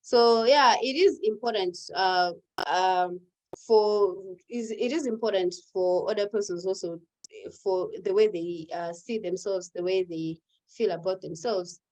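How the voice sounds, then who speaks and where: A woman's voice: mid-range voice, unhurried, a little mellow, low-quality recording. A young adult woman from Malawi, speaking English as an as the guest in an online panel conversation, explaining earnestly with examples. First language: Chichewa or another Malawian language. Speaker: guest activist.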